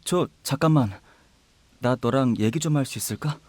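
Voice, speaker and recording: A male actor playing a gentle, earnest young man in an audio drama. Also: mid-range voice, normal speed, slight background noise, natural voice. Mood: earnest, consoling.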